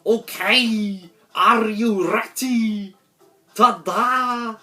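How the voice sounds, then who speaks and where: A woman voicing a proud, prickly, easily flustered schoolgirl, loud and defensive with drawn-out, stammered words. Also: a little high, soft background music, voice pushed up, exaggerated voice. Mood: proud, impatient.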